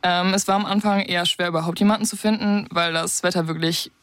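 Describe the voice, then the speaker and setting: A young woman reports on the radio at a fast clip, with the odd "ähm". Her voice sounds close and dry. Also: on the low side, fairly even intonation, fairly bright tone, no room sound. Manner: quick, with "ähm" fillers.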